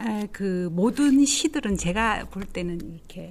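Somewhat breathy and at medium pitch, a woman's voice moves through very wide pitch swings. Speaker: reading group participant. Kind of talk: poetry reading aloud.

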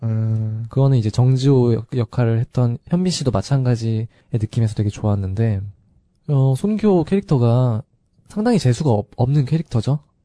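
The recording is dry and close with no echo, carrying a man's medium-pitched voice with a dark, mellow tone. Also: ordinary pitch variation, moderate pace, very even loudness. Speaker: podcast co-host. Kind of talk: casual chat. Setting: semi-basement recording room.

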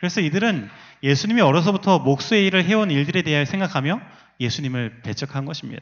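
Very rapid speech from a man, his voice fairly high and his intonation lively. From South Korea, Yongin. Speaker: pastor. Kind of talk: sermon.

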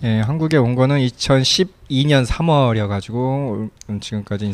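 Very slow speech from a man, the pitch varying in an ordinary way. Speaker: migrant workers' center staff member. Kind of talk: group introductions with interpreting.

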